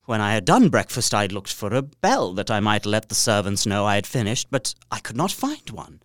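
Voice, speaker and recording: A man's voice: lowish voice, big pitch swings, moderate pace, fairly bright tone, no room sound, studio quality. An actor playing a polite, observant and uneasy young solicitor, narrating his journal earnestly and precisely in a gothic audio drama. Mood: composed, puzzled. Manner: precise, earnest, theatrical storytelling.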